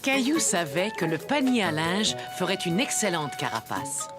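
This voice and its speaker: Expressive storybook narrator. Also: female voice, on the low side, moderate pace, loud music behind the voice. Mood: storytelling. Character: storybook narrator telling a small child's day. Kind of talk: scripted children's story narration in French.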